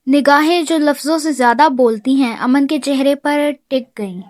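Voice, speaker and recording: A woman narrating a romance novel in a measured, expressive way. Her voice is high and the recording is close and dry, with no room sound. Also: no echo. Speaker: audiobook narrator.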